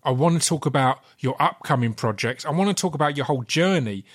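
A man's voice: a little high, animated, fast talker. Male podcast host, Essex accent, chatty, stammery repeats, casual swearing. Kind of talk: casual chat interview. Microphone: podcast mic in a remote video call.

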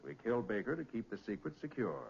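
A confident American male detective from a 1940s crime drama. He explains things with assurance in a lively, slightly rough-edged voice. The recording is old, muffled radio. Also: fairly low pitch, fast, exaggerated voice. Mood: assured, explanatory.

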